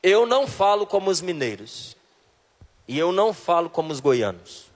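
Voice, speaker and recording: A man's voice: high voice, sing-song, moderate pace. A man from Brasília with a Brasília accent, preaching a sermon and questioning a live audience directly and emphatically. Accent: Brasília Portuguese. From Brazil, Brasília. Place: large hall with a live audience. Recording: long reverb of a large hall.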